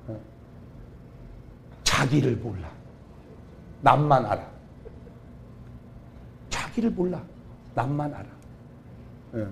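A middle-aged man, a pastor, preaching a comic revival sermon, jumping from quiet asides to sudden shouts. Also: medium pitch, very animated, slow, creaky, long pauses, a little hiss or hum. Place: church revival meeting.

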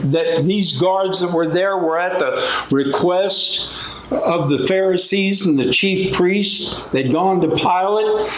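Man, middle-aged, pastor, preaching, high voice, lectern mic, echoey sanctuary. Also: fairly bright tone, a little hiss or hum. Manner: gestures widely and paces behind the pulpit. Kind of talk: sermon. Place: church sanctuary with congregation. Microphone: lectern microphone. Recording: roomy church sound with faint ambience.

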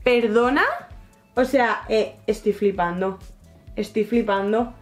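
A young woman excitedly chatting through an unboxing, gushing and repeating herself as she squeals with delight. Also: on the high side, brisk, faint music behind. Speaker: book and collectibles vlogger. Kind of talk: excited casual unboxing chat.

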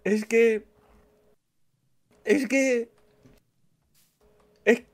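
A man's voice: extremely high pitch, fairly even intonation, very slow, full character voice. A man from voicing a pushy, shifty male demon in a Minecraft roleplay, insistent and repetitive. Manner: insistent, repeats himself, swings between pleading and shouting.

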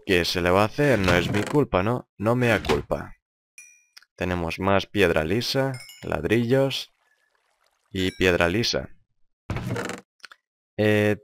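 A young man with a grave voice, improvising casual gameplay commentary in a serious, rambling way and often repeating himself. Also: slight background noise. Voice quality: deep, grave voice. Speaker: gaming video creator.

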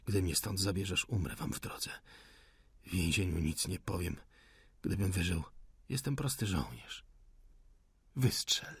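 A wounded young insurgent, voiced by a man, weak and in pain, pushes out defiant words in a low, breathy half-whisper. The voice stays soft, husky and dry, as in a storybook reading. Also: animated, a little slow, long pauses, dry recording, full character voice. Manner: hushed, half-whispered pleading.

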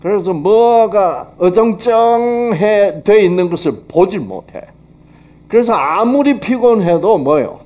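A man lectures at a health seminar and weaves Bible teaching into his talk. He speaks slowly in a fairly high voice whose pitch swings widely. He keeps the tone conversational and checks in with his listeners through frequent rhetorical questions. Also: lively intonation, darkish tone. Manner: acts out quoted dialogue.

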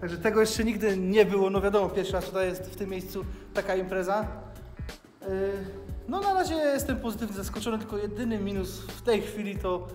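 A man in his thirties from Poland, chatting casually and jokily to camera as a vlog host on a handheld phone. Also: high voice. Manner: jokey, informal. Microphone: phone at arm's length. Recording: handheld phone with music underneath. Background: music.

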